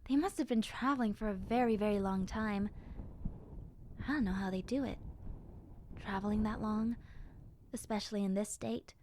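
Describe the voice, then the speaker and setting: A woman playing a gentle, chatty young zombie girl in a roleplay audio drama, musing conversationally to the listener. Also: mid-range voice, moderate pace, long pauses, a little hiss or hum, lightly acted. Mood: mildly puzzled. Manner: soft-hearted, conversational, musing.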